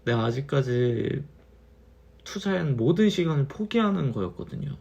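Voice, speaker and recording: A man in his thirties, a little tipsy from wine, musing slowly in a casual monologue and repeating his phrases. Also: medium pitch, very animated, gravelly, darkish tone, husky, lo-fi sound. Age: 30s. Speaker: channel host.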